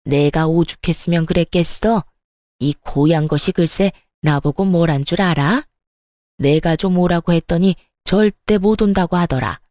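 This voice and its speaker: A woman's voice: fairly low pitch, moderate pace, mellow, dry recording, clean studio sound, lightly acted. A woman voicing a spiteful middle-aged mother-in-law who berates and sneers, in a dramatized story reading. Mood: furious.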